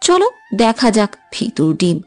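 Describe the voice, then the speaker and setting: A feisty young woman in an audio love story, voiced by a woman. She bickers with playful, sulky needling, her voice sitting high and swinging widely in pitch. Faint music plays underneath. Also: sing-song, a little slow, darkish tone, no room sound. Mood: teasing. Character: teasing, quick-tempered young woman in love.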